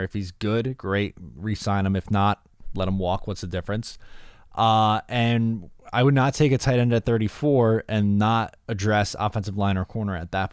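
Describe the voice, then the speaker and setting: A man's voice: lowish voice, darkish tone, clean tone, dry recording, clean studio sound. A man hosting a podcast, talking sports casually and giving blunt, opinionated answers. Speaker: podcast host answering voicemails.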